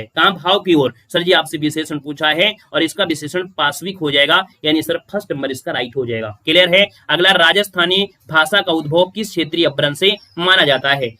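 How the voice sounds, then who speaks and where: A man's voice: fairly high pitch, pushed and bright. A man teaching Hindi grammar, walking through exam questions one by one and constantly addressing his students as sir while repeating each answer emphatically.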